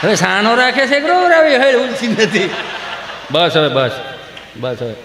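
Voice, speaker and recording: A male stand-up comedian from Gujarat, telling folk jokes and acting out villagers in high voices. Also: big pitch swings, moderate pace, noisy background. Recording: echoey live stage hall.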